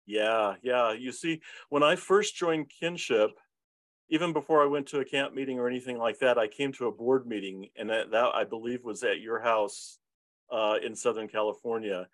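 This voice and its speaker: A man's voice: mid-range voice, moderate pace, a bit bright, no room sound. A male host with a mid-range voice asks questions and answers back with frequent affirmations. His voice sounds dry and close to the mic. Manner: affirming, with repeated backchannels. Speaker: podcast host and interviewer. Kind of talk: friendly interview chat.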